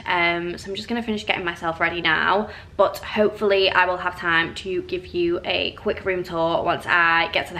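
A young woman, vlogging casually to camera, a little croaky from a cold, with lots of ums. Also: fairly low pitch, bright, forceful tone. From England. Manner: chatty, friendly, many ums. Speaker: beauty vlogger. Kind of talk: casual vlog chat to camera. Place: hotel room and tiled bathroom. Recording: echoey room sound.

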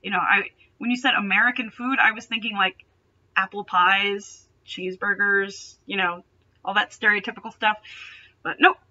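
A woman's voice: mid-range voice, steady tone, moderate pace, sharp tone, muffled recording. A young adult woman reading a story aloud with dramatic delivery and sarcastic, mocking asides. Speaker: host reading fan fiction aloud. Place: small bedroom, indoors.

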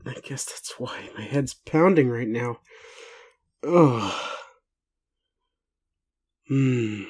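A man playing a groggy, gentle, doubting werewolf in an intimate audio roleplay, speaking tenderly and haltingly to the listener as a doting caregiver. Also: mid-range voice, husky. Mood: doubting, tired.

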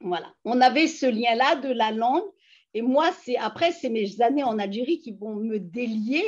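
Over a laptop webcam mic that yields dull, lo-fi video call audio, a woman in her fifties from France shares her life story from her living room. A feminist activist being interviewed casually, she speaks at normal speed in a slightly high voice, animated and emphatic with many fillers.

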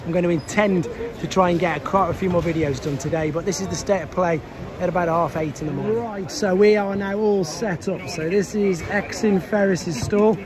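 A man's voice: high voice, fairly even intonation, moderate pace, a crowd in the background. A man in his thirties with a British accent, talking casually to his phone camera about his day selling toys, upbeat but a little tired. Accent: British English. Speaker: toy seller and YouTuber. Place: bedroom, then car, car park and big indoor exhibition hall. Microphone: phone held at arm's length. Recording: phone audio with hall noise.

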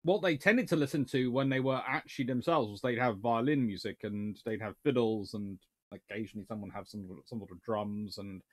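A man's voice: lowish voice, brisk, few pauses. Rambling man chatting on a livestream. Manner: rambling, animated, with many restarts and fillers. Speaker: naval history livestream host. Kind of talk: casual livestream chat reading viewer comments. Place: small home study with shelves of books.

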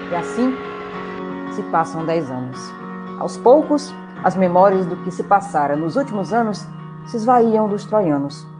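A woman's voice: low voice, darkish tone. A woman with a Brazilian accent, narrating a scripted tale in a theatrical, playful way.

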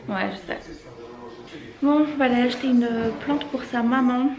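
A woman's voice: fairly high pitch, normal speed, crowd noise. A woman talking casually to her camera in a candid, rambling way, full of fillers and self-corrections. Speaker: family vlogger. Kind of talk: casual vlog chat to camera. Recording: noisy background ambience.

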